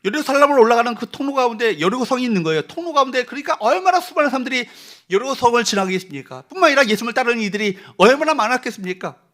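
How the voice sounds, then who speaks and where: In a church sanctuary, a male pastor preaches a Sunday sermon in an extremely high, fairly bright voice, very animated and very fast. He's emphatic, fires rhetorical questions at the congregation, and leads them in reading verses aloud.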